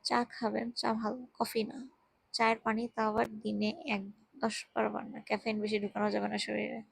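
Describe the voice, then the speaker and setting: A tired young woman, speaking very softly while lying down at home, giving casual health advice into a handheld mic. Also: fairly high pitch, level tone, a little fast, vocal fry, breathy edge, dry recording, low-quality recording. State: tired, drowsy. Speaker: vlogger. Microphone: handheld microphone.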